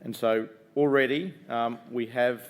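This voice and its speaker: A middle-aged man with a New Zealand accent and a loud voice, giving an upbeat investor presentation in a conference room, talking casually with lots of ums and uhs. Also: steady tone, unhurried. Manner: upbeat, conversational pitch with frequent ums and uhs. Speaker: mining company executive presenting to investors.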